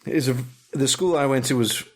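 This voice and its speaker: A man's voice: mid-range voice, normal speed. A middle-aged man from South Africa, a director talking casually in an interview, rambling with many restarts and fillers. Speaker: guest, director and animator.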